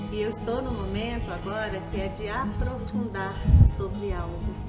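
Loud music fills the background. A woman speaks at a very slow pace. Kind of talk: interview answer. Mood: warm, joyful, laughing. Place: hall.

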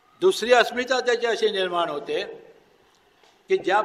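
A man speaks at an extremely high pitch. His pitch swings very widely. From Konkan, Maharashtra; Maharashtra. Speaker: speaker at literary conference; conference speaker. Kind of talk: public speech. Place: hall. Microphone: podium.

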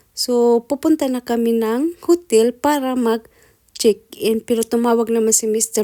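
A woman speaks at a fairly slow pace with lively intonation and a dark, mellow tone at a fairly high pitch. The sound is dry and close, with no echo. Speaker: vlogger. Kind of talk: vlog narration. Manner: casual.

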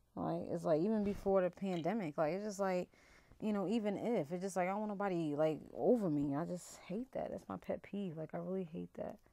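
A woman speaks at a fairly quick pace in a dark, mellow tone with ordinary pitch variation, the sound dry and free of echo. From New Jersey. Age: 30s. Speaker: YouTuber, hair vlogger. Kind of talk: casual chat. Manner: rambling, laid-back. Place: home room. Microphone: lapel.

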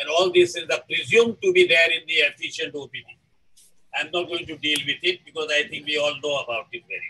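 A man speaks with an Indian accent at a fairly quick pace. His loudness swings widely. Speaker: orthopaedic surgeon; presenter. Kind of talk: webinar lecture. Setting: video call. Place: home room. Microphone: webcam.

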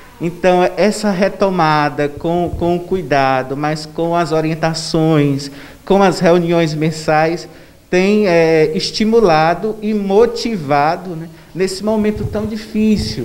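A man speaks at a very slow pace. His high voice shows ordinary pitch variation. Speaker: municipal agriculture official. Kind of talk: interview. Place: hall. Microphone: handheld.

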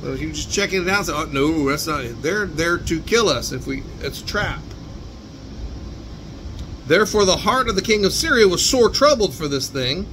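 A man talks with long, frequent pauses as music plays in the background. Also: moderate pace. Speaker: pastor. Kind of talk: sermon. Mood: earnest, expressive. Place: home room. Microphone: phone near.

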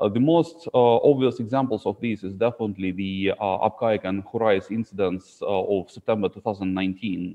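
A man at a moderate pace with hardly any pauses, fairly low pitch and ordinary pitch variation, against a quiet background. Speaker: energy researcher. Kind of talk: conference presentation. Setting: video call. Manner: soft-spoken. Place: home room. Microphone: earbuds.

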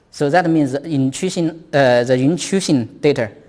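Intonation is lively in this man's voice. He talks very slowly. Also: quiet background. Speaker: university lecturer. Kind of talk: conference talk; lecture. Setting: lecture room with audience. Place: classroom.

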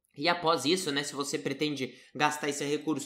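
Fairly high in pitch, this man has a normal speaking voice. He talks at a moderate pace with fairly even intonation. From Brazil. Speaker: investment analyst and YouTuber; investment analyst, YouTuber. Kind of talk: educational explainer video. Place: home room.

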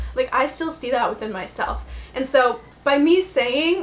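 A woman with an American accent talks at a moderate pace. Her voice is high, with ordinary pitch variation. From Utah. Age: 20s. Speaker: online content creator. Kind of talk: vlog monologue. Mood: calm, reflective. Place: home room.

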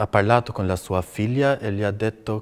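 A man speaks with an Albanian accent at a fairly low pitch. His pace is fairly slow. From Albania, Shkodër. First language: Albanian (speaking Italian). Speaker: visual artist. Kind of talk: interview monologue about own work. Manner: halting, many fillers and repetitions. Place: hall.

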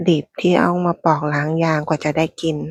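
The audio is dry and close, without echo. A woman whispers. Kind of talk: ASMR whispered food tasting review. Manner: whispered.

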